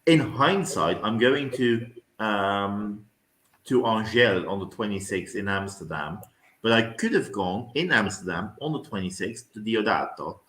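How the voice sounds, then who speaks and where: Dutch guy cohosting a stream on a call, bright voice, lots of room echo, talks to the viewers. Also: fairly low pitch, animated, a little slow. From Netherlands. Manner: upbeat, rambling, addresses viewers directly. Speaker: co-host of a livestream. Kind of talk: casual livestream chat.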